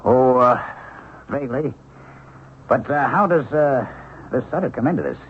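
An actor in a 1970s radio drama playing a helpful, sympathetic police lieutenant with an informal, slightly hesitant manner. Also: male voice, mid-range voice, lively intonation, moderate pace, lightly acted. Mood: puzzled. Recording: narrow-band old radio recording, faint noise.

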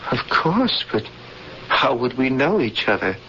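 A fatalistic, earnest prisoner in a 1970s radio drama. His voice is bright and forceful, with solemn, formal phrasing. The vintage broadcast is dull and carries faint noise. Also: mid-range voice, very animated, a little slow. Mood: resigned, earnest. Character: earnest, fatalistic male prisoner and would-be rebel. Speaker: actor playing a cellmate.

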